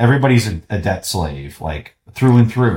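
Somewhat breathy, a man with an American accent speaks at medium pitch and a fairly slow pace, his pitch swinging very widely. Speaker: podcast host and investor, former military pilot. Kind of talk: casual interview conversation.

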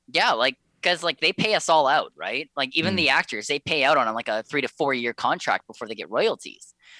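With a Western Canadian accent, the voice is bright and sharp with lively intonation, moving at a fairly quick pace with hardly any pauses. The sound is dry and close, with no echo. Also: man, fairly high pitch for a man. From Alberta, Canada. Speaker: filmmaker and actor. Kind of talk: casual chat. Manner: animated.

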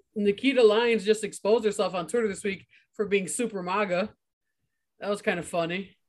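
A woman's unremarkable speaking voice, medium in pitch, with fairly even intonation and a fairly quick pace, over a quiet background. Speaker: podcast host. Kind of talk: casual chat. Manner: joking, playful.

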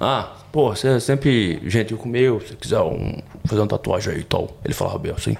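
A man talks at a very fast pace. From Natal, northeastern Brazil. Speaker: tattoo artist. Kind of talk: casual chat. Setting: studio.

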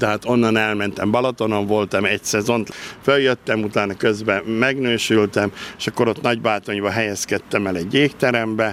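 Over noticeable background noise, a man speaks at a moderate pace with fairly even intonation and a fairly low pitch. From Nógrád County, Hungary. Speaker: school cook. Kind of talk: radio interview. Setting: outdoors in a school courtyard.

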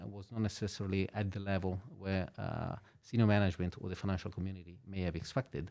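A man talks at a very fast pace in an Italian accent. His pitch is fairly low and his intonation fairly even. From Italy (Genoa). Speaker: banking executive. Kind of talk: interview. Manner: hesitant, many filler words.

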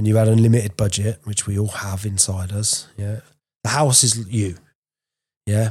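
A man with a fairly low pitch speaks in a somewhat breathy, monotone voice with flat intonation at a moderate pace. The recording is very clean with a silent background, and he takes long, frequent pauses. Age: 30s. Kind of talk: casual chat.

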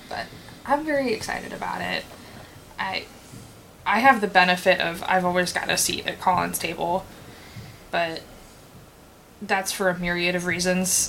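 Over noticeable background noise, a woman of medium pitch talks at a moderate pace with ordinary pitch variation and long, frequent pauses. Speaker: tabletop gamer. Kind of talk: casual chat.

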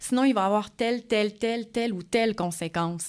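A woman with an unremarkable speaking voice at a moderate pace, ordinary pitch variation, on a very clean recording against a silent background. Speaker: sexologist. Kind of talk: interview.

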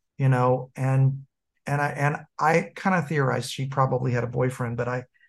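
The background is quiet as a man speaks at a moderate pace. His voice is fairly high and somewhat breathy. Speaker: meetup participant seeking advice. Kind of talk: casual personal sharing. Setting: video call.

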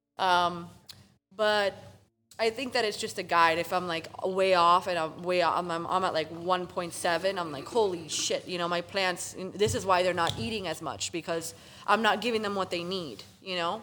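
A woman speaks in a Miami accent at a moderate pace. Her pitch varies in an ordinary way. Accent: Miami accent, noticeable. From Miami, Florida.

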